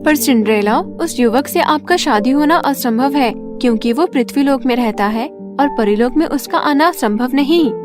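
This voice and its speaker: Casting: woman narrator as practical young fairy best friend, cartoon storybook, high voice, over music. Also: moderate pace, few pauses, lightly acted. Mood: concerned. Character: concerned young fairy girlfriend, practical and frank.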